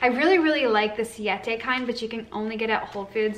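The woman talks at a fairly quick pace. Light background noise can be heard. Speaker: lifestyle vlogger. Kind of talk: casual vlog chat. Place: kitchen. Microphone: phone near.

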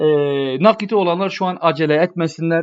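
An ordinary speaking voice, fairly quick in tempo and normal in pitch movement. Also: man. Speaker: stock market commentator. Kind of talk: market analysis video.

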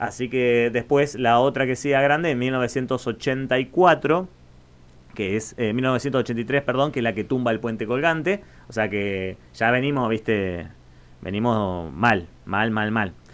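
A man's very slow delivery, its pitch shifting by an ordinary amount. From Argentina. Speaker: local history storyteller and teacher; local history storyteller, teacher. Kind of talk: radio guest segment, historical narration. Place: studio. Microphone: studio mic.

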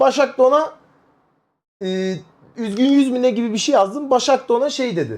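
Loud and animated, a man speaks at a moderate pace with an extremely high pitch, ordinary pitch variation, and long, frequent pauses. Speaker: streamer. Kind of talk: casual chat.

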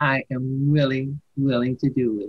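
Over a quiet background, a woman with an American accent speaks at a fairly slow pace. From Hampton Roads, Virginia. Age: 80s+. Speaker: math teacher. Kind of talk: interview answer. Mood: warm, enthusiastic. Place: home room. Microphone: webcam.

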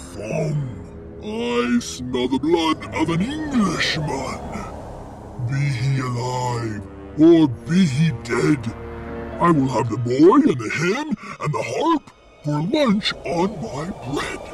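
Clear music sits in the background as a man does a put-on character voice at a fairly high pitch. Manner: tough, booming.

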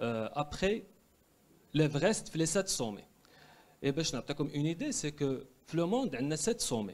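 A man with a fairly high voice talks at a fairly slow pace, leaving long, frequent pauses. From Morocco. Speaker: banker and mountaineer; guest. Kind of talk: personal testimony; seminar talk. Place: hall. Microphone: handheld.

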